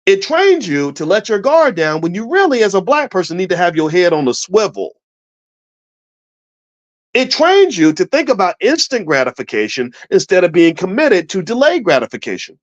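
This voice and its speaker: A man's voice: high voice, big pitch swings, moderate pace, lo-fi sound. A man giving impassioned commentary in a preachy, emphatic way, putting questions to his listeners.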